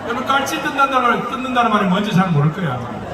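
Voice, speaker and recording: Racing along in a high, very animated voice, this Gyeongsang-dialect pastor preaches a lecture-style sermon full of jokes and rhetorical questions for his listeners. Crowd noise is audible, and the sound is distant, echoey and noisy.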